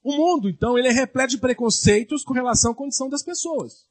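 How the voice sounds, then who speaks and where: Male pastor, sermon delivery; high, husky voice, lively rhetorical questions. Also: fast talker.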